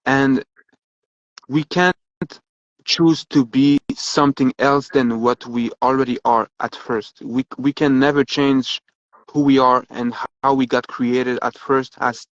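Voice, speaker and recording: A man musing philosophically in casual talk, pausing often with ums and uhs. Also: medium pitch, steady tone, dry recording, muffled recording. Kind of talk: casual conversation.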